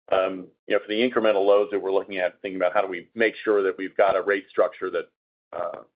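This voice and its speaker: A man speaking as a company executive on an earnings call, explaining answers in a measured, businesslike way. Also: on the low side. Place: conference call. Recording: narrow phone-line conference call audio.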